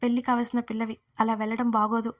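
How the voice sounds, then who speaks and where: A woman's voice: fairly high pitch, flat delivery, fast, close to an everyday voice. Woman reading a firm protective mother. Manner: firm, worried.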